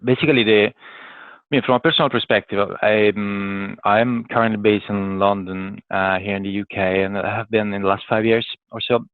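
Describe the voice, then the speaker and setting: Speaking at a normal speed in a steady, somewhat low voice, this Italian podcast guest, a corporate professional from Italy, answers interview questions in conversation with an Italian accent. He hesitates and thinks aloud in broken phrases. There's no room sound, though the call audio is thin and phone-like.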